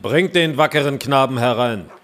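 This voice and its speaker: A man's voice: medium pitch, normal speed, a bit bright, lightly acted. A man playing a commanding, impatient medieval Danish king, speaking in stately, archaic phrases in a historical audio drama. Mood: lordly.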